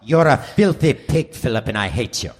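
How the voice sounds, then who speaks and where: A man's voice: medium pitch, animated, moderate pace, a little hiss or hum, lightly acted. A man playing an imperious, crude elderly queen in a comic sketch radio play, haughty and scolding. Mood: scornful.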